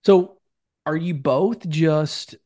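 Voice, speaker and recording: A man's voice: on the high side, very slow, dark tone. Brief: male podcast host, friendly and affirming, easygoing chat. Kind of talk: casual interview.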